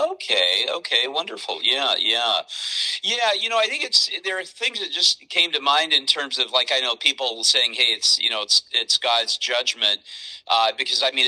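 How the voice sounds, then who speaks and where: Forceful, bright-voiced man explaining casually. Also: medium pitch, low-quality recording. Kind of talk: casual phone conversation.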